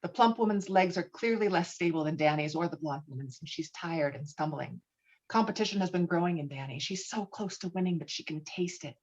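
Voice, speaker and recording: A woman's voice: on the low side, fairly quick, darkish tone, slightly rough, dull audio. A woman reading stage directions as scripted narration for a virtual table read, recorded over an online call. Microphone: online call microphone.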